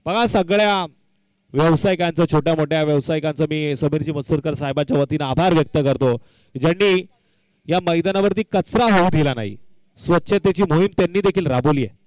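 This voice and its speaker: Clear, higher-voiced man commentating cricket. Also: brisk, darkish tone, no echo, rough recording. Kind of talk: live local tournament cricket commentary with announcements.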